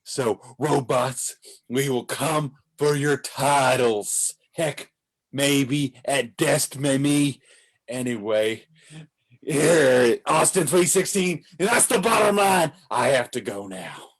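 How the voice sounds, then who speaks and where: A man playing a cocky, crude tag-team wrestler, reading a threatening promo with deliberate, comic swagger. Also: mid-range voice, lively intonation, breathy edge, heavily acted.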